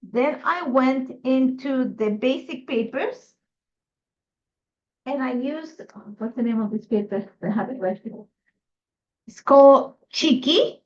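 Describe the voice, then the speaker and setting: A woman's voice: high-pitched, takes it slowly, muffled recording. A middle-aged woman from Ecuador, chatty and thinking aloud as she hosts a live scrapbooking tutorial. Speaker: craft host.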